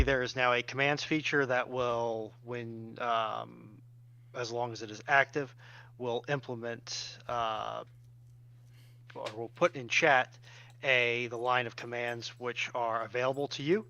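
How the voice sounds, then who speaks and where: A man explaining technical updates as a stream moderator over a voice call, in measured, formal wording. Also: medium pitch, bright, forceful tone. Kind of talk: explanatory announcement. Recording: dull lo-fi voice-call audio.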